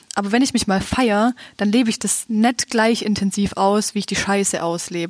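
A woman talks at a fairly quick pace with a fairly high pitch and fairly even intonation, in a dry, close sound with no echo. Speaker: podcast co-host. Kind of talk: casual chat. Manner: laughs often.

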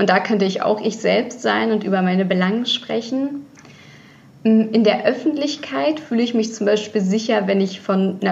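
Noticeable background noise plus audible echo from the room. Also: woman. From Germany. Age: 20s. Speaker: activist and student. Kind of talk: interview conversation. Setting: video call.

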